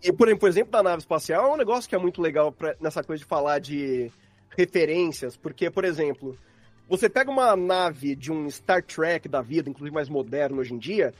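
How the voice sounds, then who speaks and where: A Brazilian man with a notably high voice talks casually, rambling and using slang as he explains. The recording is very dry and close, with music playing behind him. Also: expressive, brisk, dry recording. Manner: informal, rambling, uses slang.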